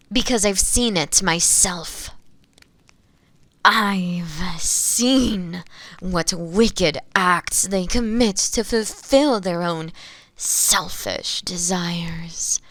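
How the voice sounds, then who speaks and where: A woman playing an imprisoned witch in an audio roleplay, seductive, teasing and obsessive, sometimes hushed as she speaks to the listener. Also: on the low side, dry recording. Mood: bitter, disdainful. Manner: slow, teasing, hushed at times, with pet names. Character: imprisoned witch, seductive, obsessive yandere, bitter toward inquisitors.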